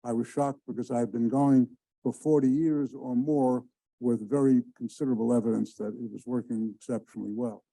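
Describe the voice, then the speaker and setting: An older man answering questions at a hearing, starting with halting restarts and then speaking quickly and firmly. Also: medium pitch, steady tone, vocal fry, mellow, no echo, poor audio. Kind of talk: archive clip of testimony.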